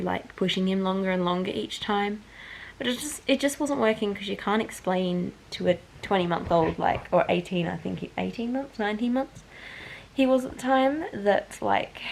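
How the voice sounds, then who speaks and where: A woman's voice: mid-range voice, vocal fry, rough recording. A tired, nasal-sounding young woman, chatting to camera and rambling as she corrects herself. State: tired and nasal with hay fever. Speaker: vlogger. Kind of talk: casual chat to camera.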